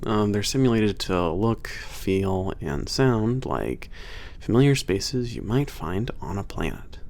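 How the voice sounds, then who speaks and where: A cocky, easygoing werewolf mechanic played by a man in an audio roleplay, showing a trainee around. His low voice moves freely up and down as he teases and swears. He takes his time, halting casually between phrases. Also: sing-song, vocal fry, a little mellow, exaggerated voice. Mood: easygoing, explaining. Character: young laid-back, cocky werewolf maintenance trainer at spaceport. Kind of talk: ASMR roleplay, casual one-sided conversation.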